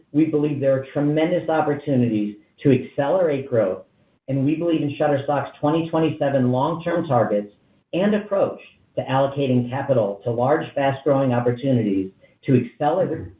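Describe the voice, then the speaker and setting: A man in the role of a chief executive gives a formal, measured reading of prepared remarks on an earnings call. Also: medium pitch. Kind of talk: scripted earnings call presentation. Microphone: conference call phone line. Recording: tinny, echoey conference phone line.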